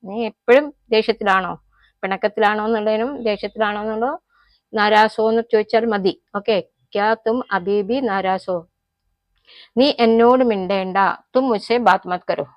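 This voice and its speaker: A woman with a Malayali accent, a native Malayalam speaker, teaching everyday Hindi phrases in a casual lesson, explaining them slowly and repeating each example. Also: medium pitch, fairly even intonation, no room sound, highs cut off. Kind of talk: casual spoken-language lesson.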